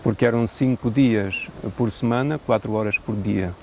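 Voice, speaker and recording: Man, European Portuguese accent, missionary priest, gravelly voice, measured and reflective, faint hiss behind. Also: fairly low pitch. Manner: measured, thoughtful, with hesitant fillers and a dry joke now and then. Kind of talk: unscripted interview answers.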